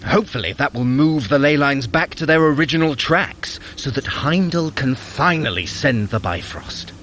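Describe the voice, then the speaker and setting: A scheming trickster god in an audio drama. He is sardonic and flamboyant, speaking in ornate formal phrases with a highish voice that leaps around freely. Faint action effects sit behind him. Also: animated, moderate pace, a bit bright, a little hiss or hum. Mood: sly, measured. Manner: wry, sardonic, flamboyant, elaborate formal wording. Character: sly, theatrical Norse trickster god, wry schemer. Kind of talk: dramatic audio adventure acting.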